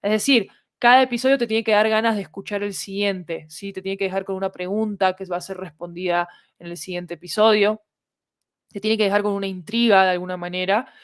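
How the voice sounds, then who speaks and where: A woman's voice: medium pitch, dry recording, studio quality. A woman, speaking as an interview guest and explaining ideas articulately, point by point. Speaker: interview guest, audio fiction creator.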